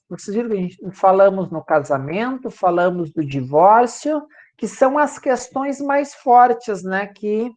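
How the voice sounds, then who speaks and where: A man's voice: high voice, dull audio. A male law professor with a Brazilian Portuguese accent, giving a classroom lecture and checking in with students after nearly every point. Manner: checks in constantly with "tá, gente?" tag questions.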